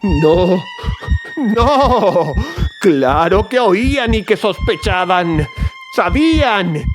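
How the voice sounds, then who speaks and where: Crazed murderer confessing, high-pitched. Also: male voice, lively intonation, full character voice, poor audio. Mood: desperate, horrified. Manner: theatrical, agitated, drawn-out emphatic delivery. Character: crazed, tormented male murderer confessing his crime. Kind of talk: dramatized first-person horror audiobook narration. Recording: music behind the voice.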